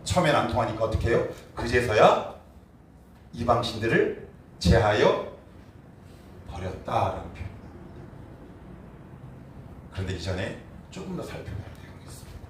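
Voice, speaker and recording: A man preaching a sermon as pastor, animated, acting out quotes and asking the congregation questions. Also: medium pitch, normal speed, long pauses, a little hiss or hum. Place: church sanctuary. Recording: echoey church hall, mic at a distance.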